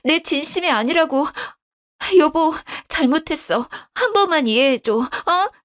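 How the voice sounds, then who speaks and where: A woman's voice: high-pitched, animated, measured pace, fairly bright tone, voice pushed up. A woman voicing a pleading young wife who whines and begs, in a storytelling radio drama. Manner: whiny, begging.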